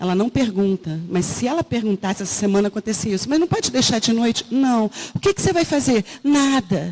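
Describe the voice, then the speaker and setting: A somewhat breathy woman at a fairly quick pace. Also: fairly high pitch for a woman, lively intonation. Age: 60s. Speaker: preacher. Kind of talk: sermon.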